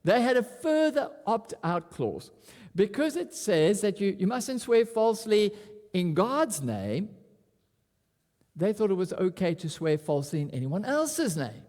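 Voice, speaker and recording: A man preaching a sermon at a pulpit microphone, animated and often repeating words as he restarts. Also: high voice, a little slow, in a large hall. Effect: speaking at a pulpit microphone. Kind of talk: expository sermon.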